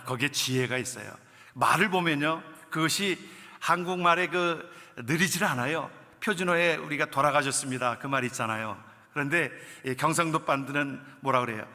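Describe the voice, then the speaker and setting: A man preaching a sermon as the pastor of a church, moving between fervent passages and relaxed explanatory asides. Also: mid-range voice. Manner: swings between loud preaching and quiet storytelling asides. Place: church sanctuary. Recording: long hall reverb.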